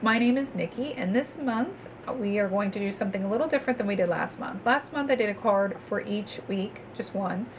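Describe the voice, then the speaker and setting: A woman's voice: mid-range voice, fairly quick, hardly any pauses, background noise. A woman giving a chatty tarot reading to viewers, a bit stuffed up with a cold, with frequent ums and restarts. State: stuffy, congested. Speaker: tarot reader.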